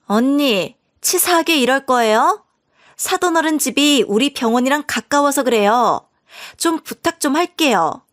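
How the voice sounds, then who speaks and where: A woman voicing a shrill, entitled sister-in-law. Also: lively intonation, measured pace, a bit bright. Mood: brazen. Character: brazen, rude young woman, the sister-in-law. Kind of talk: scripted story narration.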